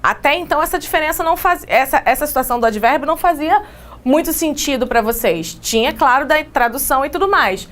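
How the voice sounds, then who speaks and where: A woman with a Brazilian Portuguese accent teaching an English grammar lesson, explaining with quick examples and playful asides. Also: sits high, expressive, fairly bright tone. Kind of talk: exam-prep grammar lesson.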